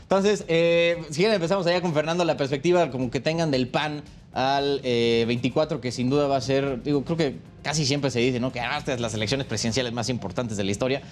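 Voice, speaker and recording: A man's voice: mid-range voice, fairly quick, soft background music. A man from Mexico hosting a political panel, moderating in a casual, colloquial way. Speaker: panel show host.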